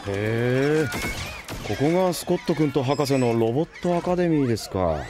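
A man's voice: mid-range voice, animated, moderate pace, over music, natural voice. A man playing a mild, sceptical young assistant in an anime-style audio drama. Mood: doubtful.

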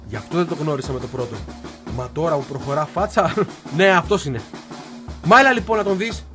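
An actor playing a lonely, childlike young man who moves from hushed confiding to shrill shouting in a stage play for radio. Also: animated, over music, lightly acted. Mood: excited.

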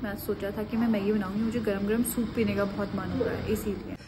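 A young woman from Uttarakhand chatting casually through a daily vlog, loud and lively outdoors, quiet and subdued at home. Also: mid-range voice, quick pace, background noise. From Uttarakhand, India. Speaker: vlogger. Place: streets, office and home, in and out of doors.

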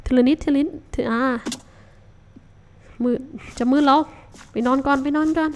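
A woman hosting a survival game let's-play, talking to herself in a chatty, casual way with sudden startled shouts. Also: high voice, steady tone, normal speed, a little hiss or hum. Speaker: Minecraft let's-play host.

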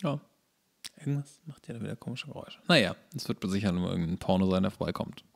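A man co-hosting a casual podcast, signing off in a relaxed, mumbling way with fillers. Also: on the low side, fast talker, creaky. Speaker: podcast co-host.

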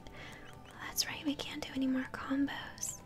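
Whispering young woman, slow ASMR gamer. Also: sits high, flat delivery, over music. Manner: whispering, gentle. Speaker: host, gamer. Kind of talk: ASMR let's-play commentary. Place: small room at home, indoors.

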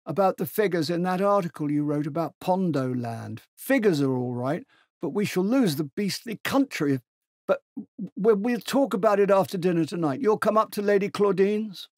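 Man reading as a hearty old general, bluff, stammers, higher voice, dry studio sound. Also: lively intonation, normal speed, darkish tone, dry recording. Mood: brisk.

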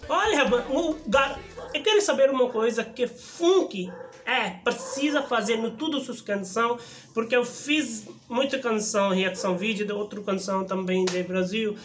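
A high-voiced Indian man in his thirties hosts a casual reaction video, speaking halting learner Portuguese in a chatty, excitable way. He talks into a lapel mic in an indoor room, with faint music playing behind him. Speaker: YouTube reaction host. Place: indoor room in front of a wooden backdrop.

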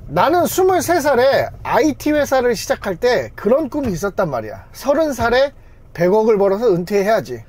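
A man's voice: very high voice, darkish tone, a little hiss or hum. A man in his thirties talking casually and with self-assurance to his vlog camera. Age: 30s. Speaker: YouTuber, car collector. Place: mostly inside a car, sometimes outdoors.

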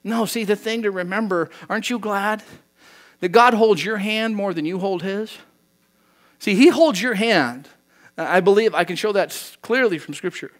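Male pastor, casual sermon in church, slightly high voice, talks like a chat. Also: normal speed. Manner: conversational, acts out dialogue.

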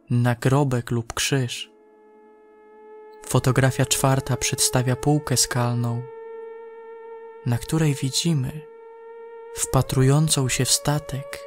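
A man narrating a scripted audio drama in a measured, solemn manner, like reading an official report. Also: medium pitch. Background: music.

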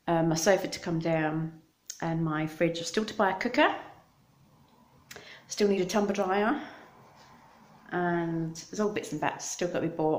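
A woman's voice: lowish voice, reverberant. A middle-aged woman with an English accent, chatting to her phone camera from a room in her house, rambling between topics with a dry mouth. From Scotland. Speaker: vlogger. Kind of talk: casual chat to camera. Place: small room in a house, indoors. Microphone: phone camera held close.

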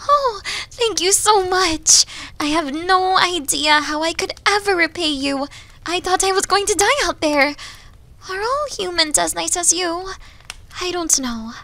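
Woman as shy starving wolf girl, high voice, unhurried, hesitant, apologetic, breaking into whispers, ASMR roleplay. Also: pushed and bright, no echo, heavily acted. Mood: grateful. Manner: hesitant, apologetic, stammering, often dropping to a whisper. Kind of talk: ASMR roleplay audio drama.

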